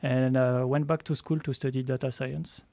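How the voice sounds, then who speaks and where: A French-accented man in his thirties, a startup co-founder telling his story in a studio interview, measured and quick to laugh at himself. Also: mid-range voice, little pitch movement, dark tone, dry recording. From France. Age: 30s.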